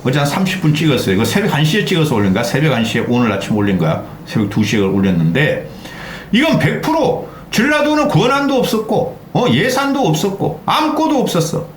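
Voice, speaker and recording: An older man rants with heated fury, his voice pitched high and swinging widely as he curses and keeps barking "eh?" between points. He's in an echoey room with a faint hum of noise behind him. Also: big pitch swings, quick pace. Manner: heated, swearing, repeatedly interjecting "eh?". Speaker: political commentary host. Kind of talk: angry political rant.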